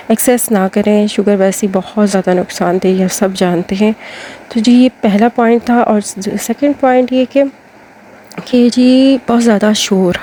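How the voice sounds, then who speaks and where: A woman's voice: medium pitch, warm tone, a little hiss or hum. Chatty Pakistani woman giving advice. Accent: Pakistani Urdu. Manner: chatty, repeats fillers, speaks to viewers as sisters. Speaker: lifestyle advice host. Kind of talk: casual advice talk to women.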